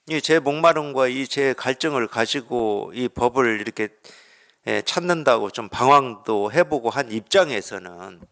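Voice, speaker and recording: A man's voice: fairly high pitch, a bit bright. A man from Korea giving a Buddhist dharma talk as a Zen teacher, conversational, asking rhetorical questions and acting out the dialogue.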